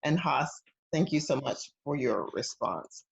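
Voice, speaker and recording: A woman's voice: a bass voice, animated, unhurried, vocal fry. A woman teaching an English conversation class over a video call, patient and encouraging. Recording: dull lo-fi video call audio.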